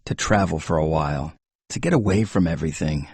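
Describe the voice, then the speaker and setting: A man voicing a weary, husky gentleman. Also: rumbling low, fairly quick, no echo, pitched below the performer's own voice, full character voice. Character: weary gentleman husband, quietly restless. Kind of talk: audiobook character voice.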